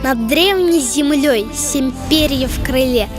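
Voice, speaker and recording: A woman's voice: high voice, measured pace. A woman reciting children's verse for an educational programme. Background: music.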